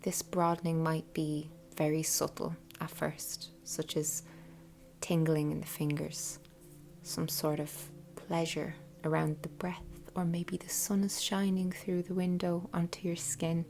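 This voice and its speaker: A woman leading a guided meditation in a soft, breathy, half-whispered voice with an unhurried, soothing delivery. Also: sits low, little pitch movement, a little hiss or hum. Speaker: host guiding a meditation. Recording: soft music bed behind voice. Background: quiet background music.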